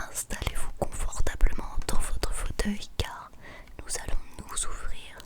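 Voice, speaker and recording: Noticeable background noise accompanies very slow whispering. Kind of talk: ASMR card pack opening. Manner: whispered.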